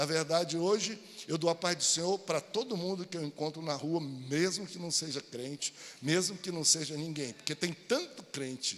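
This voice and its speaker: Over noticeable background noise, a man speaks at a moderate pace in a high pitch with ordinary variation. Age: 60s. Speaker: pastor. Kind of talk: sermon. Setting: church. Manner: informal, conversational.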